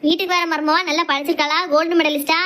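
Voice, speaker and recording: A woman's voice: high-pitched, little pitch movement, sharp tone. A woman with a Kanyakumari Tamil accent voicing a nagging, fretful middle-aged village mother in a comedy cartoon. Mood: complaining. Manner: scolding, complaining, quick.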